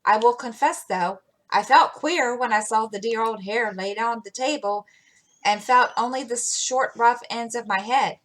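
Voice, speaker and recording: A woman's voice: on the high side, measured pace, fairly bright tone, low-quality recording. A woman reading aloud as an impulsive, spirited teenage girl telling her own tale. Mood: eager.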